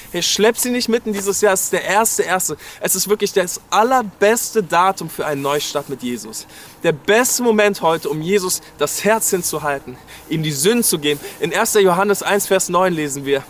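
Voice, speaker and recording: A man's voice: sits high, a bit bright, slight background noise. A man from Berlin preaching a sermon and speaking directly to listeners, urging them with frequent calls of "hey". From Berlin, Germany. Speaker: pastor. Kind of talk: New Year sermon.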